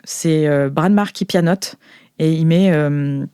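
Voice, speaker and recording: A woman narrating a tabletop role-playing game as game master, halting and thinking aloud as she improvises. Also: sits low, warm tone, clear, resonant tone, dry recording, clean studio sound.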